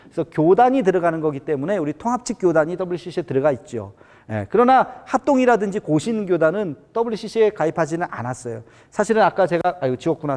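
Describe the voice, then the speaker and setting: Talking at a very fast pace, a man with a high voice swings his pitch very widely. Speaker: senior pastor teaching church history. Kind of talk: lecture.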